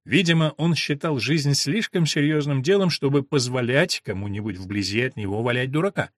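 A man narrating a novel in an expressive storytelling manner. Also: mid-range voice, normal speed, no echo, studio quality. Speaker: audiobook narrator.

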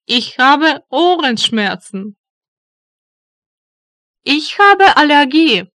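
A woman reading German phrases slowly and deliberately for learners, repeating each one. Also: sits high, sing-song, fairly bright tone, dry recording. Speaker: German language teacher voice. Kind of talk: slow phrase drills for learners.

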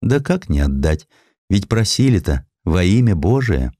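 Lonely, impoverished elderly widow, played by a man, gentle, plaintive, simple old-fashioned phrasing, expressive intonation, radio storytelling. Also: low-pitched, unhurried, no echo, studio quality, heavily acted. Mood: resigned, plaintive. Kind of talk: Russian audio drama storytelling.

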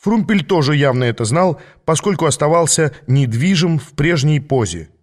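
A man narrating an audiobook in a measured storytelling manner. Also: a little high, animated.

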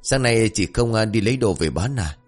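A man voicing a sleepy, wary middle-aged village father with gruff questions. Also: on the low side, expressive, a little fast, faint music behind.

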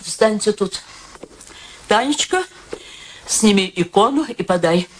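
A woman's voice: mid-range voice, lively intonation, takes it slowly, slight background noise. An actress playing an elderly, sentimental, pushy mother in a radio drama, talkative and solemnly theatrical. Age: older. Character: ailing, sentimental, pushy elderly mother matchmaking her daughter. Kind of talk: stage-like Russian radio drama acting.

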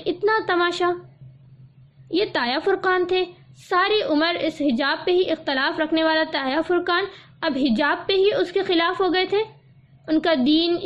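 High-voiced woman reading a novel aloud. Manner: steady storytelling. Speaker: narrator. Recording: slightly dull audio.

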